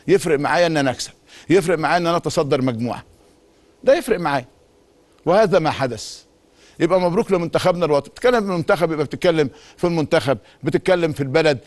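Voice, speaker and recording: A middle-aged man with an Egyptian Arabic accent, a sports talk show host delivering an emphatic monologue full of repeated insistent phrases. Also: on the high side. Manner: rapid, emphatic, repetitive insistence. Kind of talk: monologue commentary.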